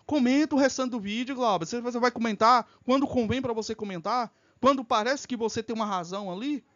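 High-pitched guy ranting fast on a live reaction stream, cussing a lot, kinda muffled lo-fi sound. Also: a bit bright. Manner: fiery, profane, argumentative. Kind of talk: heated live reaction commentary.

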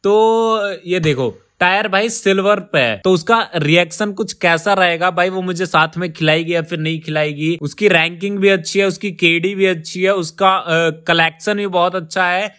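A man's voice: sits high, moderate pace, hardly any pauses, fairly bright tone. A young man hosting a gaming prank video, chatting casually and pleading playfully with his teammates. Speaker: gaming YouTuber host.

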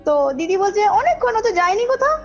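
A woman's voice: very high voice, very animated, fast talker. A woman tells a personal story as a caller, informally and emphatically, often checking that her listener follows. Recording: muffled call audio under loud music. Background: background music.

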